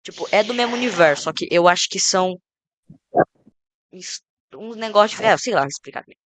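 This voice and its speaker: A woman with a Brazilian accent in casual reaction chat, slangy and halting as she thinks aloud. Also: mid-range voice, lively intonation, fairly bright tone, slight background noise. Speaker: reaction video commentator.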